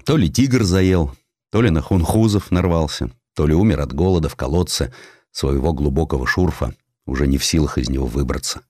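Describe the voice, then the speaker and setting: A man's voice: very deep voice, lively intonation, a little fast, dark tone, no echo, studio quality. A man narrating a historical sketch as an audiobook, in a theatrical and wry storytelling manner.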